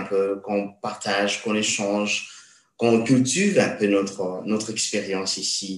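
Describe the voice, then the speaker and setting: Intonation stays fairly even as the words come at a very slow pace. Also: man. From Congo. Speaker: podcast host and political science lecturer. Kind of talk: casual chat.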